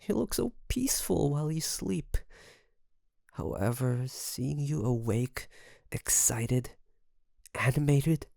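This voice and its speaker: A man playing a secretly obsessive best friend in an intimate audio roleplay, coaxing and hesitant, with sighs and pauses. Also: on the high side, animated, creaky, dark tone, dry recording, studio quality, full character voice. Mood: adoring, possessive.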